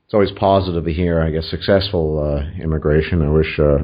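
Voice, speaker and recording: Deep-voiced man, measured and hesitant. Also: steady tone. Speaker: host of a political video channel. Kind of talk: casual opinionated discussion. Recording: dull, lo-fi audio.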